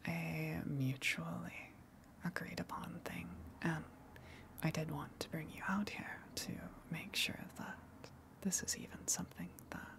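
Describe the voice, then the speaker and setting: A gentle, lonely female eldritch monster, played by a woman, speaks in a low, creaky whisper. She is patient and coaxing, with soft, halting reassurance in an intimate ASMR roleplay style. The pace stays very unhurried. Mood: hesitant, coaxing. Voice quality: breathy whisper.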